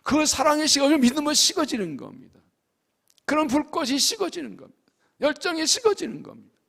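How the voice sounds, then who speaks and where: A middle-aged man preaches from the pulpit with a high, lively voice that leaps between ringing exhortation and hushed, intimate asides. There is a gravelly edge to his tone. The long reverb of a church sanctuary trails after every phrase. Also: fast. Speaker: senior pastor. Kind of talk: sermon.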